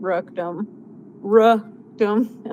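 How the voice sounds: A guttural put-on character voice sits at a fairly high pitch.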